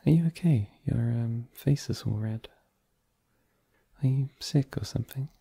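A man's voice: medium pitch, unhurried, vocal fry, warm tone, husky, voice pushed up. A young man voicing an easygoing boyfriend in an ASMR roleplay, hesitant and filler-heavy, turning teasing. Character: easygoing young adult boyfriend hosting friends.

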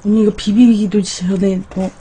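A woman's voice: medium pitch, fairly even intonation, moderate pace, warm tone, slight background noise. A young woman chatting casually with viewers as the host of an eating livestream from a small room. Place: small indoor room at home.

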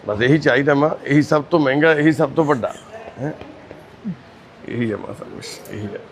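A man with a fairly high voice speaks softly and kindly, doing the rounds of a shelter and chatting with each resident. He comforts and reassures the people he greets. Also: moderate pace, slight background noise. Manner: gentle and reassuring, calls women mother and sister. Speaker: charity volunteer visiting residents. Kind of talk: casual chat with care-home residents. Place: indoor shelter for destitute people.

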